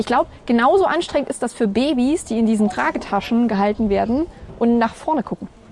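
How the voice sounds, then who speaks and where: A woman's high-pitched, very fast speech with lively intonation over noticeable background noise. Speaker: podcast host. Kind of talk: casual chat. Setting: outdoors.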